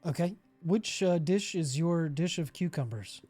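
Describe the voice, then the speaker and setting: A man running a tabletop game as game master, talking slowly and patiently. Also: on the high side, expressive, mellow, slightly rough, soft background music.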